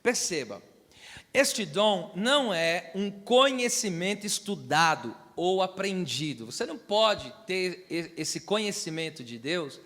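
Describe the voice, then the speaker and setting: A man's voice: sits high, lively intonation, unhurried, fairly bright tone. Man, pastor, teaching sermon, reverberant hall. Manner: teaching, asks the church to repeat phrases and check understanding. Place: church hall.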